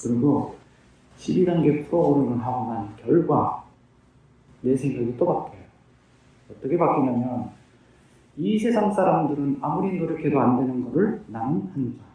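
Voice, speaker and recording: A man's voice: mid-range voice, animated, normal speed, pauses often, phone-quality sound. Earnest man in a very echoey room. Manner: earnest, plain-spoken, asks himself questions. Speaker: recovering member sharing his story. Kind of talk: personal testimony talk. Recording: very echoey room, distant mic.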